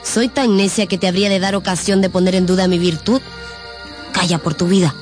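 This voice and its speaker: A woman's voice: fairly low pitch, fairly even intonation, brisk, lightly acted. An actress playing a proud, teasing young gypsy woman, self-assured and chiding, in a radio drama. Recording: music behind the voice.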